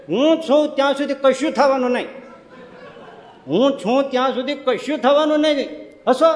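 A preacher slips into a brash old country uncle, loud and overconfident, who chuckles as he brushes off every fear. His raised, high voice carries with a long hall echo behind it. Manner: loud, laughing, boastful reassurance. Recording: roomy hall reverb.

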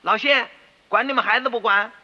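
男说书人扮的气急败坏的豪门管家. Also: male voice, very high-pitched, fairly quick, pitched above the performer's own voice, heavily acted. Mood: indignant. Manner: loud, blustering, indignant. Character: group of pompous, indignant rich-house stewards. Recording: dull radio recording with long reverb.

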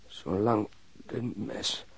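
A hurt cop, low very raspy voice, halting and straining, radio play. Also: male voice, fairly even intonation, exaggerated voice. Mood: pained, indignant. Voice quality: husky, breathy. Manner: halting, broken phrases, straining. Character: wounded policeman recounting being stabbed, shaken but admiring. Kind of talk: radio drama acting.

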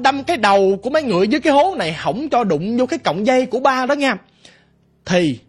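A man's voice: high voice, a bit bright, husky. A man telling a ghost story in a dramatic, vivid way.

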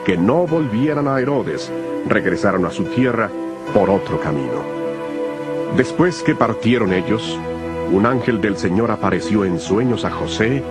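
A man narrating scripture from a script in a solemn, measured storytelling manner. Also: lowish voice, lively intonation, over loud music. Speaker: Bible narrator.

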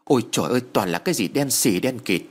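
A man voicing a nosy, loud-mouthed village woman, who talks loudly and calls out. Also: animated, quick pace, lightly acted. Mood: alarmed shouting. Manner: shrill, loud, calling out.

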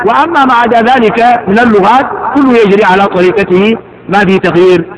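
A man's voice: high-pitched, poor audio. A man teaching a classroom grammar lesson. He repeats example phrases and asks the students questions, then answers them himself.

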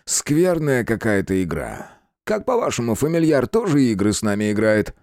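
A man's voice: medium pitch, sing-song, normal speed, a little mellow, no room sound, studio quality, pitched above the performer's own voice. Man doing a curt, stern police official. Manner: curt, authoritative. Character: stern male police official, brisk, commanding.

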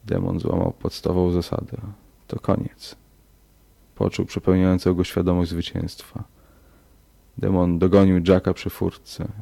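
A man narrating a horror story in a slow, measured audiobook reading. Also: sits low, flat delivery, gravelly, mellow.

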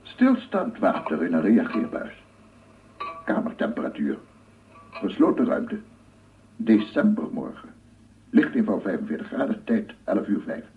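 A male actor playing an embittered, obsessive amateur inventor in a radio drama monologue, husky and halting, swinging between muttering to himself and grandiose declamation. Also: low voice, slight background noise, heavily acted. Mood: formal lecturing. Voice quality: husky, gravelly, often dropping to breathy murmur. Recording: muffled phone-like old radio recording.

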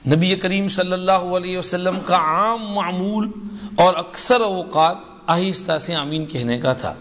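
A man's voice: sits high, fairly bright tone. Man teaching a hadith lesson, reverberant hall. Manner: explanatory, slow and deliberate. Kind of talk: religious lesson.

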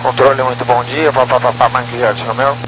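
A pilot speaking in formal, courteous radio phraseology over a helmet radio. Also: male voice, mid-range voice, little pitch movement, music in the background. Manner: courteous, measured. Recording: noisy radio transmission.

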